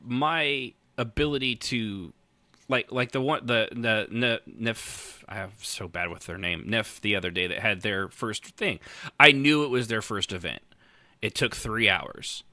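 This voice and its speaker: Very bright-voiced, animated man chatting haltingly. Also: mid-range voice, dry recording. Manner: halting, repeats words and circles back. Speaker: podcast co-host. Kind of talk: casual chat.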